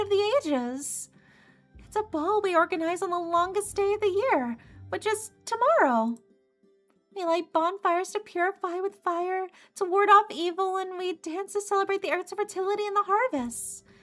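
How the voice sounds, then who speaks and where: A woman's put-on character voice, squeaky and extremely high, at a moderate pace with faint music in the background. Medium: game stream. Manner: talkative, rambling.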